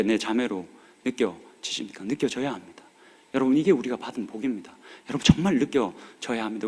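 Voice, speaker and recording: A pastor in his forties preaches in a church sanctuary, earnestly pleading with his congregation in a Korean regional dialect, his urgency rising. His voice is mid-range and a little mellow, with the long hall reverb of a church.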